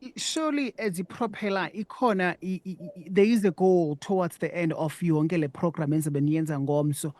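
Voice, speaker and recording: Dry, lowish woman interviewer, Xhosa South African accent. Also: moderate pace, few pauses, a little mellow, dry recording. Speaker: radio interviewer. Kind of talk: radio interview, mixing two languages.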